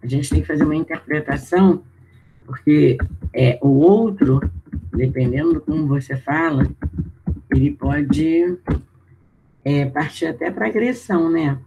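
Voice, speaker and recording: Chatty Brazilian teacher, slightly high voice. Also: male voice, unhurried, vocal fry, long pauses, muffled recording, faint music behind. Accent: Brazilian Portuguese. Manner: conversational, checking in with students through tag questions; reads exercise prompts aloud, then thinks out loud. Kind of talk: online video lesson.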